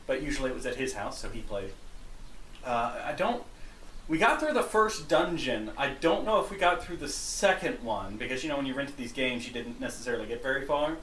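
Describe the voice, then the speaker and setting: A man's voice: mid-range voice, roomy sound, recorded from a distance, a little hiss or hum, low-quality recording. A man co-hosting a podcast about video games, talking casually with fillers and restarts. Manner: relaxed, rambling with fillers and restarts. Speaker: podcast co-host. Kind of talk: casual gaming chat.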